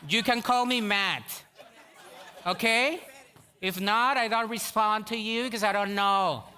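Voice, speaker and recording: Dismissive assimilated man shrugging off his roots, breezy English asides, as a preacher puts him on, bright voice. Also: sits high, fairly even intonation, takes it slowly, exaggerated voice. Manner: dismissive, mixes in English phrases.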